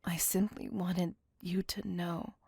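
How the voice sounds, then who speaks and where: A woman voicing a possessive, devoted female vampire on a date, speaking in a soft, close, apologetic and doting whisper. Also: lowish voice, flat delivery, takes it slowly, vocal fry, slightly rough, no echo, full character voice. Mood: tender whisper. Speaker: voice actor. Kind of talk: ASMR roleplay whispering.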